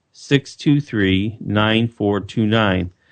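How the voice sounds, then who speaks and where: This voice belongs to a man. Pitch shifts by an ordinary amount. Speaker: radio talk show host. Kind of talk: radio talk show monologue. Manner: halting, stumbles over words.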